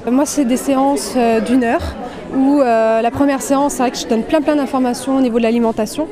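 A woman's voice: sits high, steady tone, brisk. A woman slimming coach explaining her sessions in an interview, fluent with light fillers. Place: busy exhibition hall. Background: crowd chatter.

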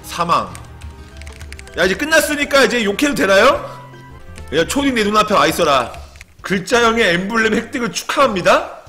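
Excitable young man yelling over gameplay. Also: sits high, normal speed, pauses often, faint music behind. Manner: excitable, swings from muttering to sudden yelling and swearing. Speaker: game streamer. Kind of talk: live game commentary.

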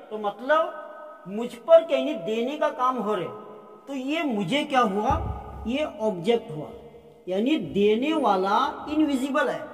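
A man teaching an English grammar lesson. He asks the class questions and answers them himself, dropping low and soft on each answer word. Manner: reads each example sentence slowly. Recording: echoey room with long reverb.

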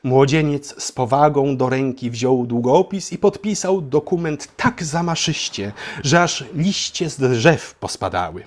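A man's voice: mid-range voice, lively intonation, measured pace, hardly any pauses. A man narrating a satirical fairy tale for adults in a theatrical, mock-solemn way, as if addressing children. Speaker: storyteller and channel host.

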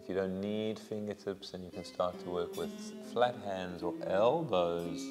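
A middle-aged man teaching a yoga class, giving slow, soothing cues timed to the breath, on a clip-on mic in a studio. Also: sits low, fairly even intonation, big-room sound, music in the background. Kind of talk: guided yoga class instruction. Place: indoor yoga studio with bare walls. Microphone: small clip-on lapel mic.

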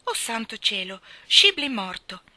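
A woman's voice: medium pitch, normal speed, dry recording. A woman reading the lines of a friendly, talkative old mountain villager who asks eagerly and gives blessings. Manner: warm blessings, eager questions.

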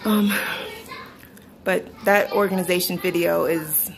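In this casual house tour vlog, a young woman strolls from room to room, talking on a phone camera she carries, with frequent laughter and the odd rant. Her voice sits on the low side, creaky, steady in tone and unhurried. The home recording is noisy.

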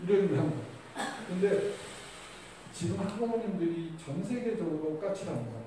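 A man's voice: high voice, animated, moderate pace, mellow. A male teacher giving a conversational lecture to other teachers and putting questions to a live audience. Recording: echoey hall, distant mic, faint noise.

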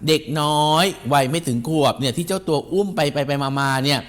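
A man hosting a celebrity gossip show, talking in an animated, repetitive way and ending nearly every phrase with a polite particle. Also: fairly high pitch, brisk. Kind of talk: chatty entertainment gossip talk.

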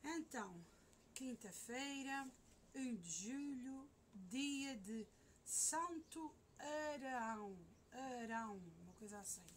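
A middle-aged woman with an Azorean Portuguese accent, chatting to her viewers from her living room and reading scripture aloud in a slow, solemn way. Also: high-pitched, lively intonation, a little hiss or hum. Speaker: vlogger. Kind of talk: casual chat and Bible reading.

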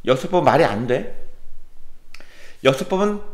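A man's voice: fairly high pitch, moderate pace. A man teaching literature in a classroom, lecturing animatedly and firing questions at his students. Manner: animated, questioning students, quoting lines in a put-on voice. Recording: roomy classroom echo.

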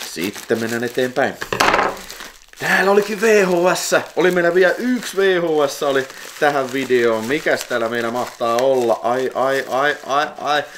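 Excitable man unboxing tapes on camera. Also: medium pitch, background noise. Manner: excited squealing exclamations, rambling and nostalgic. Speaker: video collector channel host. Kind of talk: casual unboxing vlog.

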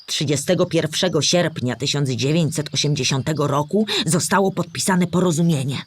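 Clear-spoken female storyteller for children. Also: low-pitched, normal speed, no room sound. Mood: explanatory, measured. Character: Historyjka, female storyteller explaining Polish history to children. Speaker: narrator of a children's audio drama. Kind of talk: scripted educational narration for children.

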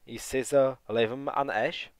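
A gracious noble lady of a castle, read by a man narrator. Her lines come softly and politely. The sound is dry and close to the mic. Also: mid-range voice, fairly even intonation, no echo, close to an everyday voice.

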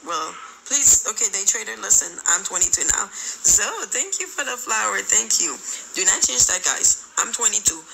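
A woman's voice: medium pitch, lively intonation, normal speed, vocal fry, pushed and bright, soft background music, rough recording. A woman in her thirties with a Haitian accent, hosting a live stream and chatting as she reads viewer comments, switching between English, Creole and French. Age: 30s. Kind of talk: casual live-stream chat reading comments. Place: small room indoors. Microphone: phone held close.

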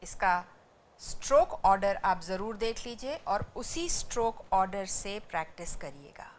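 A woman's voice: medium pitch, lively intonation, unhurried, a little hiss or hum. A woman teaching a language lesson, explaining patiently and repeating syllables one by one for students to practice. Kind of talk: educational lecture.

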